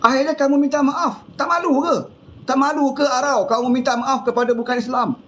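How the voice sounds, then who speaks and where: A man's voice: extremely high pitch, steady tone, fairly quick, a bit bright. A man with a Malaysian Malay accent giving a fiery political monologue full of scolding rhetorical questions. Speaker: political commentator.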